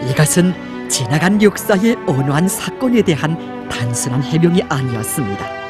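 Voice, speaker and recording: A woman's voice: deep voice, lively intonation, moderate pace. A woman with a North Korean accent delivering solemn scripted propaganda narration. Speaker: documentary narrator. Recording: music behind the narration.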